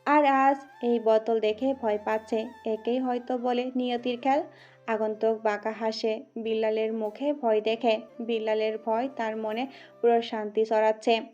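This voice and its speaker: A woman narrating a scripted audio story in a steady, dramatic way. Her voice sits slightly high, with a dark, mellow tone. The recording is dull and muffled, with soft music underneath. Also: measured pace.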